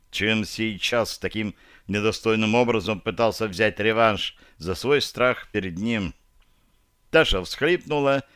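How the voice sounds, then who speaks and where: A man's voice: fairly low pitch, fairly bright tone, clean tone, no echo. Man narrating an audiobook, dry sound. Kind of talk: first-person audiobook narration.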